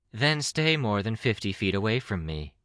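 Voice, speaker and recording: A man performs a put-on character voice at a medium pitch. His pitch swings very widely. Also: moderate pace. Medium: audio drama. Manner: callous.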